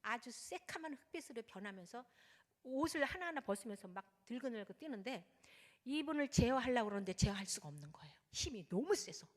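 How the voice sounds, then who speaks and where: A woman's voice: on the high side, a little fast. A woman pastor telling a story in a sermon, acting out the prayers and speech of the people in it. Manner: animated storytelling with acted prayers. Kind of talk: sermon testimony. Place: church sanctuary. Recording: church hall reverb.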